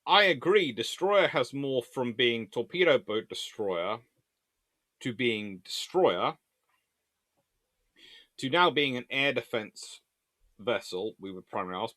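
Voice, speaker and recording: Speaking at an unhurried, animated pace, this man has a medium pitch with a little brightness and no room sound around him. He hosts naval history videos and here runs an informal explainer and Q&A, emphatically reasoning through debates in a discursive way.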